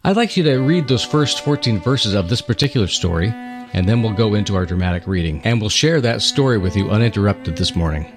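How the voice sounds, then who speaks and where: A man's voice: lowish voice, lively intonation, a little fast, over loud music. A man co-hosting a Christian radio talk in a conversational, earnest, reflective way with preacher-like phrasing. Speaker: radio show co-host.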